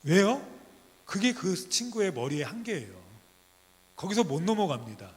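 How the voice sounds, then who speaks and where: A man's voice: high-pitched, sing-song, moderate pace. A middle-aged male pastor preaching a sermon in a church, emphatic and full of rhetorical questions. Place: church sanctuary. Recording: long church hall reverb.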